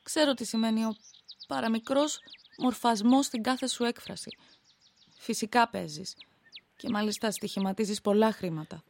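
An actress playing an anxious young wife who hears spirit voices, pleading and tearful by turns. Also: female voice, sits high, animated. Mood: soft coaxing. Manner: pleading, clingy, tearful swings. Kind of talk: audio drama acting.

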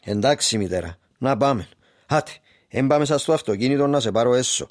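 A man's voice: mid-range voice, expressive, natural voice. A man playing a worried Cypriot son. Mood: calm. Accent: Cypriot Greek. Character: worried patient grown son, soft with his mother.

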